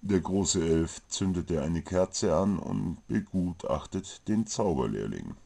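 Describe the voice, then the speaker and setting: A man's voice: low voice, animated, takes it slowly, gravelly, warm tone, breathy edge. A man narrating a comic fantasy story from a script.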